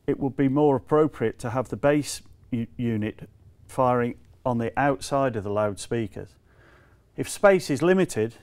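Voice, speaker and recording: Englishman presenting products in a measured way. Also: mid-range voice, a little mellow. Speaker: company representative presenting products. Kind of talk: semi-scripted product presentation to camera.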